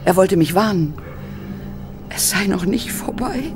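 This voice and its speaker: A woman acts an embittered Hollywood actress in a horror audio drama. She tells her frightening past in halting, dramatic phrases. Faint music runs behind her. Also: mid-range voice, animated, natural voice. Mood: bitter, agitated. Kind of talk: German horror radio play acting.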